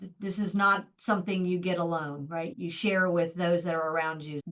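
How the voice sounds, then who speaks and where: This is a woman with a plain, everyday voice. Her pitch is medium and her pace moderate. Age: 60s. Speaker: business chamber CEO and award-winning alumna. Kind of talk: interview conversation. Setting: video call.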